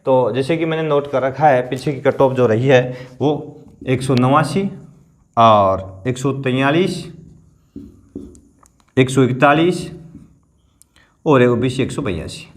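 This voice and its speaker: Man, coaching teacher, sore throat, slow repetitive explaining. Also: mid-range voice. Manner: explains slowly, repeats figures, keeps asking "theek hai na". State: sore throat, clears throat often.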